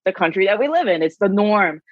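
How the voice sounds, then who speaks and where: A woman's voice: medium pitch, lively intonation, fairly quick, no echo. A woman from South Korea tells her story as a podcast guest, chatty and full of fillers. Her voice sits mid-range, and the recording is slightly dull and dry. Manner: chatty, laughs often, many fillers.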